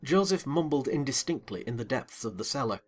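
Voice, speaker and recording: A man narrating a dramatized reading of a classic novel in a measured, expressive storytelling manner. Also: mid-range voice, husky, soft background music. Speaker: audiobook narrator.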